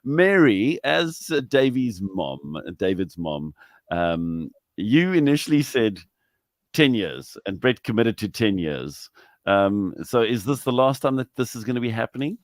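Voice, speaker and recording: A man hosting a radio interview, chatty and animated, often laughing. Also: fairly low pitch, measured pace, dry recording, studio quality. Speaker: radio host. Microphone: studio microphone.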